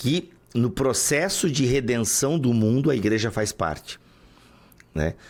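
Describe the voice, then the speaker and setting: A man speaks with vocal fry, his pitch swinging very widely. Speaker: podcast host. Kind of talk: casual theological discussion.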